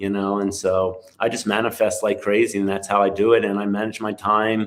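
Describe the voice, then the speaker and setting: An ordinary speaking voice belongs to a man with fairly low pitch, talking at a fairly quick pace. The recording is very clean, with a silent background. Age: 60s. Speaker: magazine co-publisher and cannabis entrepreneur. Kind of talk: podcast interview.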